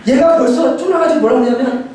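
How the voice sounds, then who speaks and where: A man preaching a sermon, telling a family story with lively voices for his wife and son. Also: very high voice, fast, a loud crowd. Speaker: pastor. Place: church sanctuary. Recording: echoey church hall, mic at a distance.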